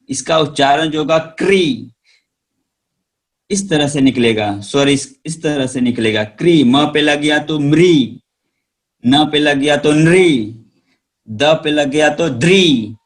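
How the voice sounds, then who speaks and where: A man leads an online phonics lesson for young schoolchildren, stretching each word out slowly and saying it again with stress. His voice sits a little high for a man, and he speaks at an unhurried, patient pace. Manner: slow, drawn-out word drills with repeated emphasis. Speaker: primary school Hindi teacher.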